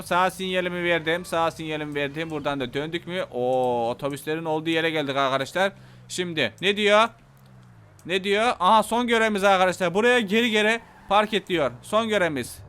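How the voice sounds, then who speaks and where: A man giving casual gameplay commentary, excitable, shouting angry threats one moment and muttering calmly to himself the next. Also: high-pitched, fast, clear, resonant tone. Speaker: gameplay YouTuber.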